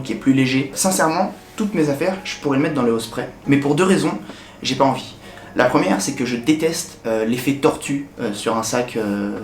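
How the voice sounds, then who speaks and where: Young Frenchman chatting in an echoey room. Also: medium pitch. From France. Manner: relaxed, chatty, frequent hesitations, speaks directly to the viewer. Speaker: vlogger. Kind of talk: casual talk to camera. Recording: echoey room with faint ambient noise.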